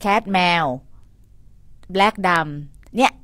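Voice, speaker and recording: A woman's voice: mid-range voice, drawn-out words, a bit bright, dry recording. A middle-aged woman in a casual interview who explains at length and repeats words, sometimes interpreting for the guest. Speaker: pageant organizer and interpreter.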